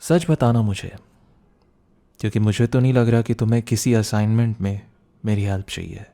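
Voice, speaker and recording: Guy acting as a young boyfriend, dark mellow voice, teasing n protective, soft asmr roleplay style. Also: lowish voice, moderate pace, creaky. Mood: indulgent, suspicious.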